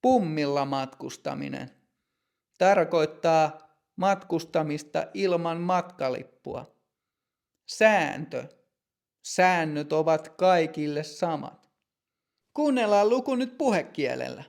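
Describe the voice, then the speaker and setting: A male teacher reads vocabulary and a simple story in a slow, deliberate way. His voice is fairly high and has a gravelly, creaky texture. He sounds like a scripted narrator in a language lesson. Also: expressive. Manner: clear, deliberate reading.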